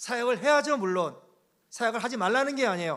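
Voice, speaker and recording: Over a silent background on a very clean recording, a man's pitch swings very widely. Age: 60s. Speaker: pastor. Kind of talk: lecture.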